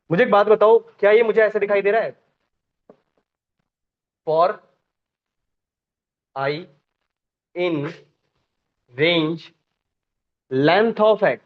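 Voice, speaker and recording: A man teaches a programming class. He questions the students often and repeats each point slowly. The recording sounds dull and lo-fi. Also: high voice.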